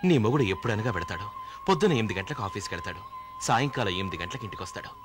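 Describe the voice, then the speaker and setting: A taunting preachy young guy, fast talker, voice leaping high and low, music under the film dialogue. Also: wildly swooping pitch. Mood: mocking. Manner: taunting, preachy, sweeping swings in pitch. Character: brash, mocking young man lecturing a woman. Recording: movie soundtrack with music behind.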